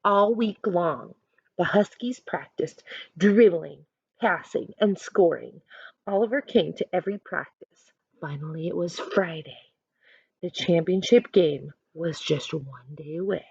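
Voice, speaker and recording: A woman teacher reading a picture book aloud, pausing to explain things simply and directly to young listeners. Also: fairly low pitch, vocal fry, darkish tone, husky, no room sound, lo-fi sound.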